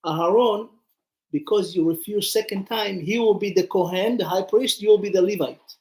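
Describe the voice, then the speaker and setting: This rabbi's voice sits high with a somewhat dark tone, moving at an ordinary speed. In a reverberant room, he tells stories during a casual religious class, voicing the characters and quizzing the people listening.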